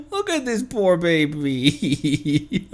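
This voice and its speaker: A man streaming a game with casual, slangy, excitable reactions, often repeating his words. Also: high-pitched. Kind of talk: casual live reaction commentary. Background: faint game music.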